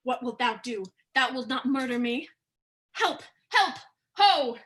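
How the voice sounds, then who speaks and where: A bright, fairly high voice gives us an indignant, frightened queen played by a woman. She speaks theatrical Shakespearean verse as a royal mother under attack from her son. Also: animated, slow pace, heavily acted. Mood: alarmed. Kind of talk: dramatic reading of Shakespearean verse. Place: remote livestream from home.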